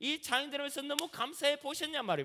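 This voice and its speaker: A man with an extremely high pitch and a bright, sharp, animated tone speaks in a raised, projected voice with a Daegu accent. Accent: Gyeongsang (Daegu) dialect. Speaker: pastor. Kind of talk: sermon. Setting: church.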